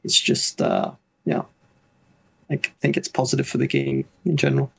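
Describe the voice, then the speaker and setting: A man's voice: mid-range voice, huge pitch swings, normal speed, creaky, slightly rough. A man guesting on a gaming podcast in casual chat, with dry sarcastic humor.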